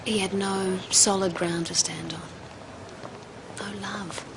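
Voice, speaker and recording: An actress playing a psychiatrist who speaks calmly and patiently. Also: female voice, medium pitch, vocal fry. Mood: measured, gentle. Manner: calm, measured, explaining patiently. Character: calm, measured female psychiatrist, middle-aged. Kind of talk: television drama acting. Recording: noisy TV soundtrack.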